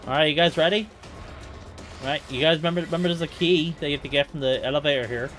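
A man's voice: on the high side, fast talker, fairly bright tone, faint music behind. An eighteen-year-old man giving casual, playful live commentary as he speedruns a video game.

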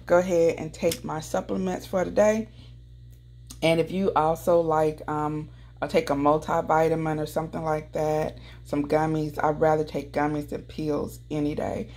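A woman's voice: low-pitched, steady tone, moderate pace, darkish tone. A middle-aged woman chatting casually and informally to her viewers as a home lifestyle vlogger, recorded indoors on a handheld camera. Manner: informal, addresses viewers directly. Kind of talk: casual vlog chat. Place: indoors in a house. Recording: clearly noisy home recording, clicks.

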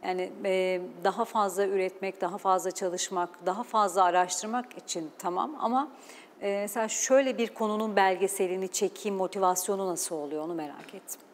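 A woman's voice: medium pitch, steady tone, brisk, big-room sound, a little hiss or hum. Woman TV host asking questions. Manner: prompting, asks short questions. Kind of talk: TV interview hosting.

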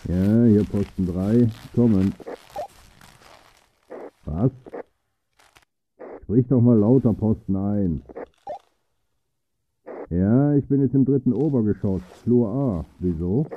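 A man's voice: on the low side, slow, long pauses, muffled recording. A man playing a weary, irritated security guard on patrol in a German crime audio drama. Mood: dutiful, curt.

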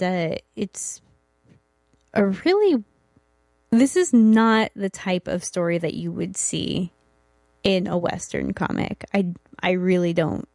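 A woman's voice: on the low side, a little mellow, dry recording, clean studio sound. A young woman co-hosting a podcast, introducing a comic in a friendly, hesitant way. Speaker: podcast co-host. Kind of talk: casual chat about comics.

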